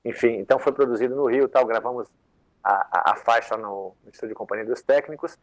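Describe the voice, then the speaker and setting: A mid-range male voice, fairly quick, comes through a muffled recording with no echo. The speaker is a songwriter on a live panel, talking loosely and conversationally about his work with plenty of fillers, rambling in casual interview style.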